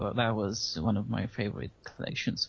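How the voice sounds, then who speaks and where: Over noticeable background noise, a man speaks with a Russian accent. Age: 20s. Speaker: writer and podcast co-host. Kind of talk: casual chat.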